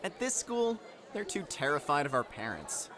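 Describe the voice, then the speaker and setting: A man's voice: a little high, sing-song, moderate pace, a crowd in the background. An actor playing an easygoing, cheeky teenage boy in an audio drama, talking casually and breezily. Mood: breezy, reassuring.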